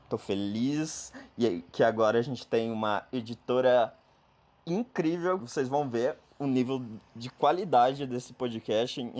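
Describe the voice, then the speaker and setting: Hosting a podcast, a man in his twenties from northern Paraná, Brazil, keeps the talk chatty and jokey, peppering it with "né?" tag questions. His voice is medium-pitched with a darkish tone.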